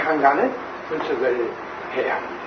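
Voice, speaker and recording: A voice with a strong Gyeongsang accent comes through over noticeable background noise. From Gyeongsang region, born in Hadong. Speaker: spiritual teacher. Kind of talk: dharma talk to audience. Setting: hall with live audience. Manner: repetitive, emphatic.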